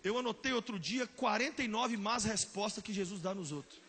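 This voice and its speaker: A male pastor, preaching a lively, joking sermon with bursts of shouting. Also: high-pitched, a little fast.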